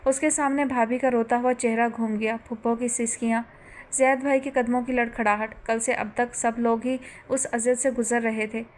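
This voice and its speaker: A woman reading a romance novel aloud as an audiobook narrator, steady and even. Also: fairly high pitch, normal speed.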